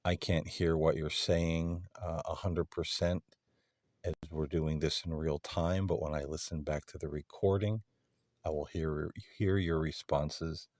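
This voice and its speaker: A man hosting a paranormal session, putting questions to unseen beings in a halting, deliberate way with long pauses. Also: extremely low pitch, level tone, darkish tone, no echo, studio quality. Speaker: host of a paranormal contact session.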